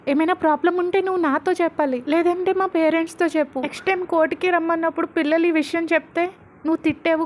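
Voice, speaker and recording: A stern, commanding husband and father, voiced by a woman narrator. He lectures firmly and gives orders in a storybook reading. The voice stays fairly high. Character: grown man Manu, stern contract husband and father.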